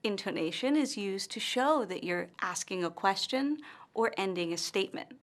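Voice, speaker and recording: A woman narrating a scripted language lesson, speaking slowly and carefully with clearly marked stress and pauses. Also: medium pitch, animated. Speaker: language teacher.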